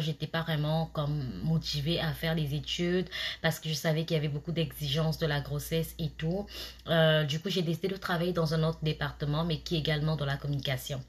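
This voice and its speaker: A woman's voice: deep voice, slightly rough. A woman in her thirties who moved to Canada, chatting to her viewers and giving job interview tips, with many fillers and restarts. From immigrant to Canada. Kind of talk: casual advice talk to camera.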